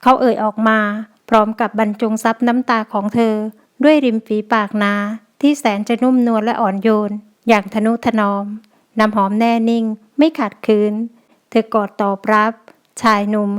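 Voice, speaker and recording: A woman narrating a romance audio novel in a slow, gentle reading style. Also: fairly high pitch, fairly even intonation, clean tone.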